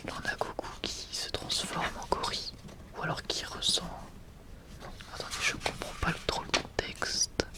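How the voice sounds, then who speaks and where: An ASMR creator whispering breathily and close to the mic in a casual, rambling, enthusiastic way, often correcting themselves. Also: moderate pace.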